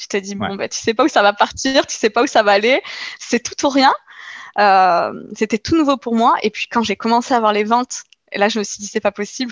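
In a normal speaking voice, a woman with a fairly high pitch talks at a fairly quick pace, her pitch varying an ordinary amount, in a dry, close sound with no echo. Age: 30s. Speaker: online seller and business engineer. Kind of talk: interview.

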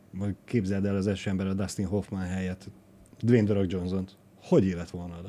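A man with a very deep, low, dark and mellow voice talks at a fairly quick pace in a monotone, flat delivery. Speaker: co-host. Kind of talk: casual chat. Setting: studio.

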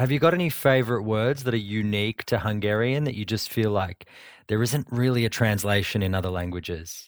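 Words come at a fairly quick clip. They are spoken in an Australian accent. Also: man, fairly low pitch for a man, ordinary pitch variation. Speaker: podcast host. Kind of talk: casual interview. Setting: video call.

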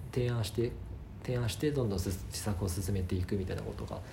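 Audible room echo follows a man speaking at a very fast pace. His pitch is fairly low. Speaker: software engineer. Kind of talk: casual chat. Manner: halting.

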